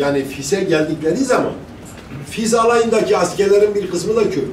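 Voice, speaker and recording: Animated and high-pitched, a man speaks with lively intonation amid noticeable background noise and audible room echo. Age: 60s. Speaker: historian, invited speaker. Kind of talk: panel talk Q&A.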